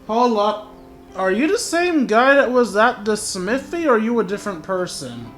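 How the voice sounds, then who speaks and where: A man's voice: high-pitched, sing-song, normal speed, fairly bright tone. A man giving casual, rambling playthrough commentary with joking asides. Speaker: gaming YouTuber commentating his play. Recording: game music behind the voice. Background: video game music.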